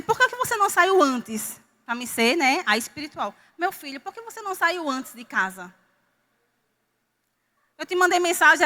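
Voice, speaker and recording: Northeastern brazilian woman preaching, high bright voice, long church hall echo. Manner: storytelling with lively quoted dialogue. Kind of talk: sermon.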